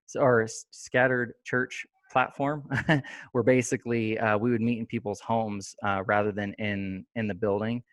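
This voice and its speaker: Low-voiced man hosting a chatty podcast. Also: little pitch movement, moderate pace, a bit bright, no echo. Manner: rambling, many fillers and restarts. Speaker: podcast host. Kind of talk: casual interview chat.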